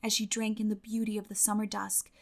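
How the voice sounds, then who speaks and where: A woman audiobook narrator reading literary fiction expressively, with measured storytelling phrasing. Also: mid-range voice, monotone, vocal fry.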